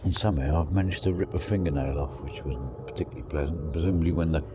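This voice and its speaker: Very low, croaky man outdoors. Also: fast. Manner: relaxed, rambling, thinking aloud. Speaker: angler vlogger. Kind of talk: casual spoken fishing diary. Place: outdoors at a lake bank. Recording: outdoor recording with clear background noise.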